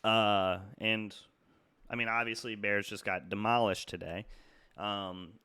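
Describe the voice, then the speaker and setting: A man's voice: on the low side, fairly even intonation, measured pace, sharp tone, clear, resonant tone, dry recording. Congested young man talking stock charts. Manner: casual, rambling, many fillers and restarts. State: congested, nasal from a cold. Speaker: market analysis YouTuber. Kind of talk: casual trading chart talk.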